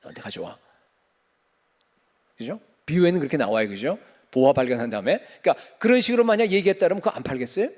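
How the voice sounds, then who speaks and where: A male pastor delivers a lively, conversational sermon, checking in with the congregation and giving the people in his Bible stories their own voices. His voice sits fairly high for a man, and it rings out with the long reverb of a church sanctuary. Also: racing. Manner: conversational preaching, acting out scripture voices, asks the congregation questions.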